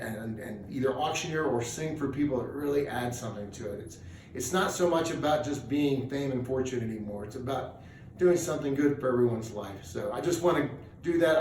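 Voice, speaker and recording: A man's voice: medium pitch, a little mellow. A middle-aged man from New Mexico, talking in a folksy, conversational way as he introduces himself. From southeast New Mexico, United States. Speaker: singer and charity auctioneer. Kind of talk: personal video introduction, casual monologue. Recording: roomy, distant mic with hiss.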